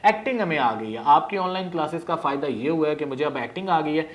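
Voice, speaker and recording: Pakistani man talking briskly about classes. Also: a little high, lively intonation. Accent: Pakistani Urdu. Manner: quick, informal, mixing in English words. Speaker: acting teacher. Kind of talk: casual promotional talk to camera.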